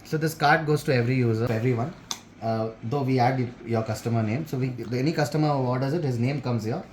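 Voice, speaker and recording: A man's voice: medium pitch, quick pace, a little mellow. A man in his thirties with an Indian accent, casually explaining and demonstrating a product he helped develop. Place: hotel room, indoors. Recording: echoey room with noticeable background noise.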